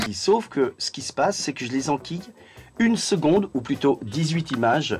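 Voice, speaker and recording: Over music in the background, a man speaks at a moderate pace with very wide pitch swings. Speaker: voice actor. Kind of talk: casual talk to camera. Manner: energetic, jokey.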